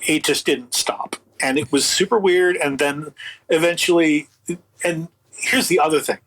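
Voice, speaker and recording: An audio book producer, interviewed as a guest, tells his story casually in a slightly high, husky voice at a measured pace. He animatedly acts out both sides of remembered exchanges with an incredulous, sardonic edge, though the audio is poor.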